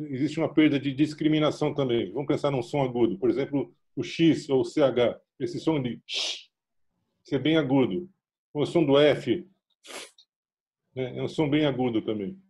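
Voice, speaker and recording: A physician with a São Paulo accent explaining hearing loss and telling a story, acting out the dialogue. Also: male voice, mid-range voice, mellow. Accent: São Paulo Brazilian Portuguese. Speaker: physician guest. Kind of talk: explanatory casual chat.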